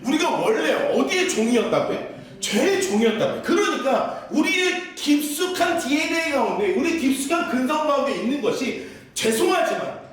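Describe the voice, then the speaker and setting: A man preaching a sermon as pastor, impassioned and at times shouting. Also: extremely high pitch, expressive, normal speed. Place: church sanctuary. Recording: echoey church hall, voice from a distance.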